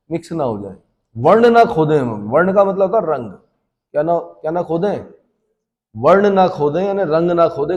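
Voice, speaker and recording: A man's voice: on the high side, a little mellow, long reverb tail. A man teaching history, who asks his class questions and then answers them himself. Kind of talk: classroom lecture.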